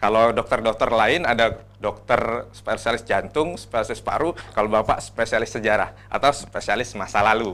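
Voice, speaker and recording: The speaker holds a very even loudness and leaves hardly any pauses. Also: man. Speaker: high school history teacher. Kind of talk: radio lesson. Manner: fast. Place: studio.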